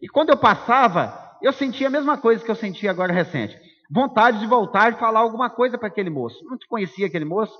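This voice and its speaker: A man with a Brazilian Portuguese accent preaching a sermon, telling a personal story in an animated way and speaking straight to the congregation. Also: high-pitched, fast talker, breathy edge. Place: church hall. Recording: echoey hall, dull lo-fi sound.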